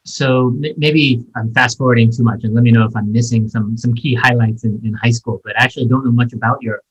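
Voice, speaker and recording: A man's voice: medium pitch, fairly even intonation, a little fast, husky, dull audio. A man hosting a podcast interview, introducing a guest and asking questions in an enthusiastic, chatty way with fillers. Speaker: podcast host.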